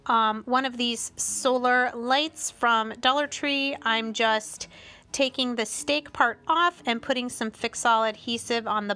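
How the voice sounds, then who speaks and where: A middle-aged woman narrating a home craft tutorial in a voice-over, calm and explanatory with small chatty asides. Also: on the high side, clear, resonant tone.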